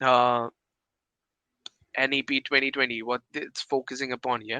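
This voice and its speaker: At a medium pitch, a man speaks at a moderate pace in a flat monotone with a bright, sharp tone, recorded with a dry, close sound and no echo. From India. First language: Indian mother tongue (not English). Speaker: podcast co-host. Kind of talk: casual chat. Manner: halting, many fillers.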